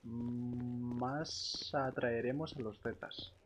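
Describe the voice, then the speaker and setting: A man's voice: medium pitch, fairly even intonation, drawn-out words, faint music behind. A man with a Castilian Spanish accent chatting casually in a game roleplay, thinking aloud with hesitations. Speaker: roleplay gamer, group member. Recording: clear background noise with clicks.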